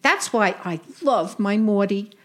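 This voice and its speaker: In a comic audio drama, a woman plays a wisecracking older Brooklyn woman wryly teasing her sister with sarcasm. Her mid-range voice is expressive and a little slow.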